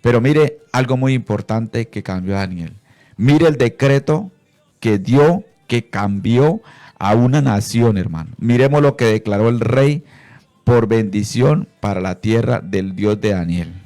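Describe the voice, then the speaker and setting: A man preaching on Christian radio, fervent, often calling out to his brothers and rising into loud, high preaching. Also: expressive, a little slow. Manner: fervent, repeats "hermano" and "aleluya". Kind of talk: radio sermon.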